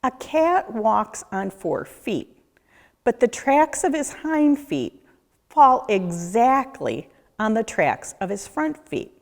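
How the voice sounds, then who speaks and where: A woman reading a children's picture book aloud as a nature educator, with a deliberate, questioning storyteller delivery. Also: on the high side, sing-song, creaky. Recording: echoey room with long reverb.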